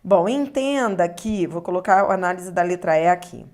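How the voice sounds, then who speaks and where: A woman's voice: on the low side, lively intonation, moderate pace, a little mellow. A woman teaching a video grammar lesson, explaining step by step and checking that the listener follows. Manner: explanatory, checks understanding with tag questions.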